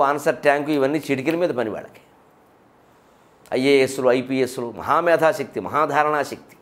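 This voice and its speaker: A man giving an emphatic public lecture on literature and culture, firing rhetorical questions and mimicking others as he goes. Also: medium pitch.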